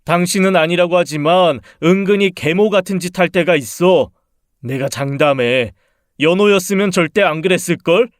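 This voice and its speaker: A resentful husband, grown and accusing, voiced by a man for a radio-drama story. His voice sits a little high and comes across dry and close, with nothing around it. He needles and reproaches in a sour tone. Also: moderate pace, no room sound, close to an everyday voice.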